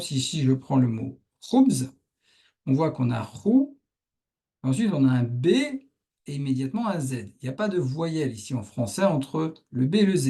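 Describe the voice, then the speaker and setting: A man's voice: fairly high pitch, warm tone, husky. A man teaching the Arabic alphabet in French, patiently explaining as he writes out examples. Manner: patient, thinks aloud while writing. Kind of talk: explaining a writing lesson.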